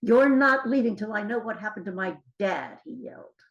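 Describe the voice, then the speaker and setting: A woman's voice: medium pitch, lively intonation, moderate pace, muffled recording. An older woman, an author reading her own fiction aloud with dramatic delivery of the dialogue.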